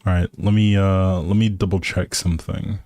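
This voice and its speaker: A man's voice: low voice, level tone, moderate pace, mellow, no echo. A man hosting a casual game livestream, talking to his viewers with playful, teasing informal banter.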